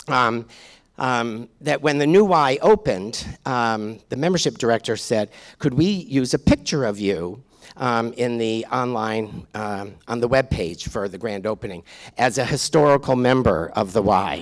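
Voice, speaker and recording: A man talks at a fairly slow pace in a normal speaking voice, with medium pitch and ordinary pitch variation. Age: 60s. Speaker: storyteller. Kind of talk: live storytelling.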